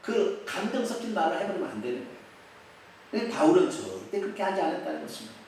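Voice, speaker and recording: Animated man preaching in an echoey hall. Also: high-pitched, quick pace, creaky, a little hiss or hum. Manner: animated preaching, asks the congregation questions and acts out quotes. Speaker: pastor. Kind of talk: expository sermon. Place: church sanctuary. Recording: echoey church hall, mic at a distance.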